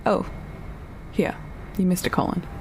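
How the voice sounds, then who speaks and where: An actor playing an easygoing, gently teasing colleague in a sci-fi audio drama. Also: unhurried, a little hiss or hum, lightly acted, low-quality recording. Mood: light, teasing.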